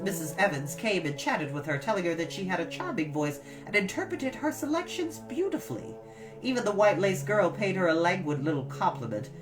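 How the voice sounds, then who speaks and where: A woman reading a story aloud with expressive, emphatic, dramatic delivery, as a storytime host. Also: fairly low pitch. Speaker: storytime reader. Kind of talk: expressive story narration with encouraging asides. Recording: slightly distant mic, music behind.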